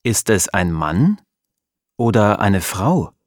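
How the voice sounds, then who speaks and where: A man's voice: on the low side, sing-song, no echo, clean studio sound. A man reading as a thoughtful young woman. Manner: slow, plain inner thoughts.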